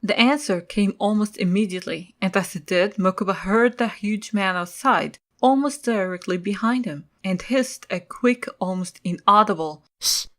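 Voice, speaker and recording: A woman's voice: mid-range voice, normal speed, fairly bright tone. A woman reading scripted third-person story narration for an audio drama.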